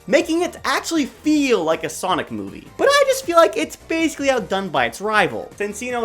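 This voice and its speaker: Lively woman narrating a video essay. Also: deep voice.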